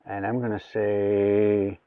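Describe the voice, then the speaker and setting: A man's voice: on the low side, monotone, slow pace, smooth, dry recording, recorded from a distance. A man giving a casual hands-on gadget demonstration, talking through each step aloud in an informal way. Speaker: gadget reviewer. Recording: phone-like, thin sound, off the mic.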